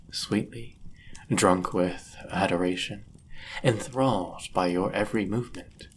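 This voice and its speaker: A man's voice: fairly low pitch, gravelly, a little hiss or hum. A man voicing a powerful, possessive demon in love, speaking intensely and formally in a dramatic fantasy audio roleplay. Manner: intense, deliberate, formal and archaic phrasing. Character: powerful, possessive, lovestruck male demon bound to a sorcerer.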